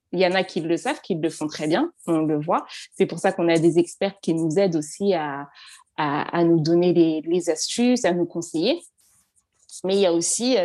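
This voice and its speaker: Against a quiet background, a woman speaks with a fairly low pitch and a dark, mellow tone. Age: 30s. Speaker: co-founder of a women's talk group. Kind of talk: casual interview.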